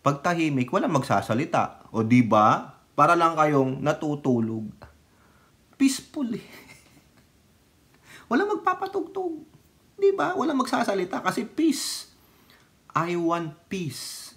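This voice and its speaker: Sarcastic high-voiced Filipino man vlogging. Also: sing-song, measured pace, long pauses, fairly bright tone. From Philippines. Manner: sarcastic, mocking, laughs often, mixes English phrases. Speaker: political vlogger. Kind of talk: casual ranting political commentary.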